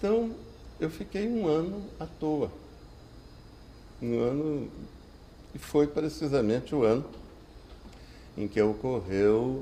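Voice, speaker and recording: A man with a fairly high pitch and a dark, mellow tone swings his pitch very widely. He speaks at a very slow pace, pausing long and often. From Brazil, Goiânia. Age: 60s. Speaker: retired appellate judge. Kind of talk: oral history interview. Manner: formal.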